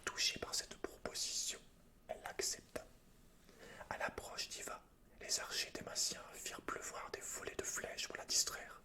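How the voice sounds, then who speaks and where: A man reading game lore in a soft, hushed, breathy whisper, as the host of an ASMR gaming video. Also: normal speed.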